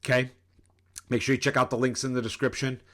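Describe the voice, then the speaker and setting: A middle-aged man in the middle of a motivational rant, worked up and sweating as he lectures the viewer head-on. His voice sits in an ordinary middle pitch, and his delivery is intense and preachy. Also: level tone, fast, fairly bright tone. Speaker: life coach and channel host.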